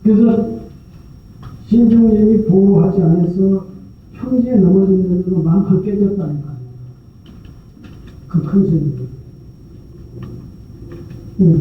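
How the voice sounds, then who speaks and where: A man's voice: high voice, slow, pauses often, slight background noise. A male Buddhist monk giving a sermon, telling a story in a loose, conversational way and asking rhetorical questions. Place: large temple prayer hall. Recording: very echoey hall, distant mic, tinny sound.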